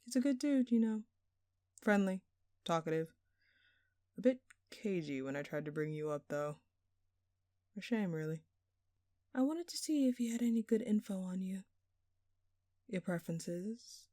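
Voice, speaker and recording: A woman's voice: medium pitch, animated, unhurried, long pauses, dark tone, no echo, studio quality, close to an everyday voice. A woman playing a smug, flirtatious jewel thief who taunts a detective with teasing, sarcastic, theatrical phrasing in an audio roleplay. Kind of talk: scripted audio roleplay addressed to the listener.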